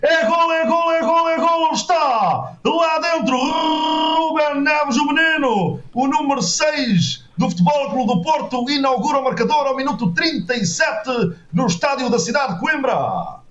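A Portuguese man giving fast, dramatic football commentary with excited, drawn-out goal calls. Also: extremely high pitch. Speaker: guest. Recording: echoey, slightly dull sound.

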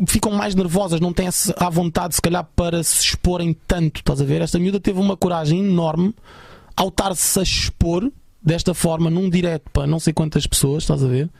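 Young Portuguese musician guest, gravelly and quick, slangy storyteller, dry close sound. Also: male voice, sits high, fairly even intonation, darkish tone, no echo. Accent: European Portuguese. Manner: chatty, many fillers, slangy. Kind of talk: casual storytelling.

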